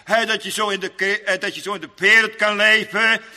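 A man preaching a sermon in old-fashioned churchly phrasing, rambling, repeating himself and pausing with many fillers. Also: high-pitched, level tone, sharp tone, in a large hall.

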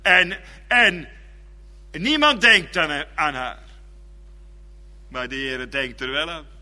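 A man preaching a sermon in slow, fervent phrases, dropping now and then to a quiet, drawn-out delivery. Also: a little high, animated, in a large hall.

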